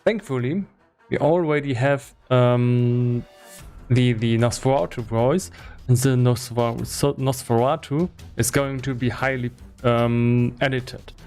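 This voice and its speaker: Halting man on a livestream, music behind. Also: mid-range voice, fairly even intonation, a little mellow, clean tone. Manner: halting, thinking aloud. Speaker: game developer streaming live. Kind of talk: casual explanatory livestream talk. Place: indoor room with foam acoustic padding.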